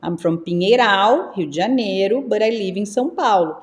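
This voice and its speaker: A young woman from teaching English live, lively and repeating words slowly for her students. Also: mid-range voice, roomy sound. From Brazil. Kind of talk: live online English lesson.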